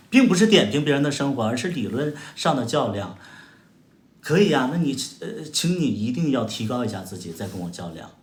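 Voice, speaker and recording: With a Northeastern Mandarin accent, a Heilongjiang man hosts a casual livestream, his mid-range voice sing-song and fairly quick. He shoots sarcastic, combative retorts at viewer comments, full of exaggerated exclamations, and the room sounds echoey.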